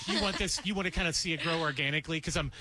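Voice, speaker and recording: A man co-hosting a radio show, chatting in a lively, encouraging way. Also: on the high side, very fast, noisy background. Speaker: radio co-host. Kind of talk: casual on-air chat. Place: radio studio.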